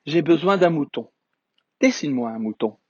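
A man's voice: expressive, moderate pace, darkish tone, husky, no echo. A man voicing a small, curious boy prince from another planet in a storybook read-aloud, speaking in an earnest, insistent way. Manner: earnest, insistent, high childlike delivery. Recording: dull lo-fi recording.

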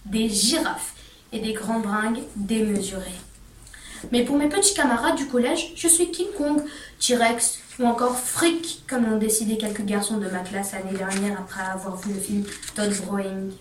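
A woman reading a first-person novel passage aloud, measured and deliberate with slowed emphasis. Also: on the high side. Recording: roomy echo, distant mic, faint hum.

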